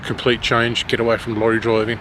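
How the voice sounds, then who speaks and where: Male amateur vlogger, Black Country accent, hesitant and rambling casual delivery, mid-pitched voice over clear car noise. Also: completely flat delivery, a little fast. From West Midlands, England. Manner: hesitant, self-conscious, rambling. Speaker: amateur vlogger, lorry driver. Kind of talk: casual vlog chat to camera. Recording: clear road and vehicle noise.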